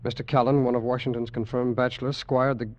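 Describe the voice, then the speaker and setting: An actor playing an earnest, anxious, conscience-stricken doctor in a 1940s radio drama, with an urgent manner. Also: male voice, medium pitch, flat delivery, fast talker, no echo, natural voice. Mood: concerned. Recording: muffled 1940s radio broadcast.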